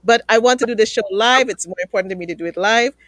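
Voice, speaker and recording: A woman hosting a live online talk show, warm and playful with her guests, heard over a video call. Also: on the high side, fast, no echo, poor audio. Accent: Trinidadian. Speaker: host.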